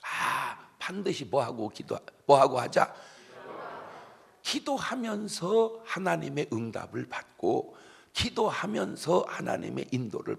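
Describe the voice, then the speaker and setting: Middle-aged pastor guy, raspy gravelly voice, jumpy sing-song delivery, keeps asking the crowd questions, big echo in the church. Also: medium pitch. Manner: call-and-response questions to the congregation, humorous. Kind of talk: sermon at a dawn revival service. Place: church sanctuary. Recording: echoey church hall.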